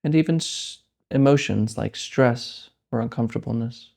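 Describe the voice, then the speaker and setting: A man leading a guided meditation as host, speaking gently in unhurried phrases with deliberate pauses. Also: medium pitch, gravelly.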